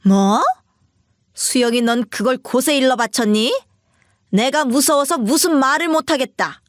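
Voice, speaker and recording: A woman voicing a pushy, shrill older mother-in-law who scolds and wails indignantly. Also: unhurried, no room sound, clean studio sound. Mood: scolding.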